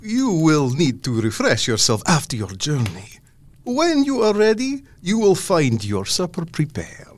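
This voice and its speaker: An actor playing a tall old vampire count in an audio drama, husky, formal and stately in his courtesy. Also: a little high, huge pitch swings, measured pace, no echo. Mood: courteous, insistent.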